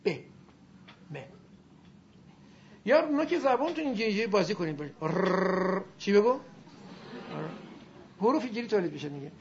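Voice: mid-range voice, expressive, pauses often, a little mellow, dull audio, a little hiss or hum. A teacher giving a classroom lesson on Arabic grammar and pronunciation, demonstrating sounds aloud and quizzing the class.

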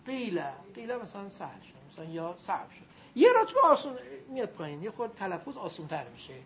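A woman teacher giving a grammar lecture to a class, lively and drilling her students in call-and-response. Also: medium pitch. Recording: muffled recording with faint noise.

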